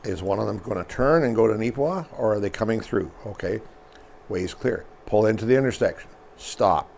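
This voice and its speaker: A man's voice: on the low side, expressive, fairly quick, vocal fry, a little mellow, slight background noise. An older man, co-hosting a local news show, explaining things in a folksy, step-by-step way while losing his voice. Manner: folksy, talks step by step through everyday examples. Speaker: newspaper publisher co-hosting a news talk show. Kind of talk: casual conversational explanation.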